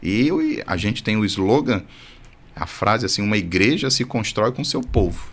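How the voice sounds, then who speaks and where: A man's voice: fairly low pitch, normal speed. Earnest priest telling his story in a studio. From Brazil, born in Salvador. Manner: earnest, animated storytelling with light humor. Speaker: priest, podcast guest. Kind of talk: testimony in casual conversation. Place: podcast studio.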